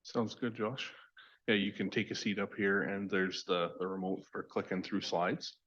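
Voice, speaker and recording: A man's voice: deep voice, steady tone, moderate pace, a bit bright. A man chairing a meeting, giving casual, helpful instructions in an informal way. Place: council meeting room. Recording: dull, band-limited meeting room microphone.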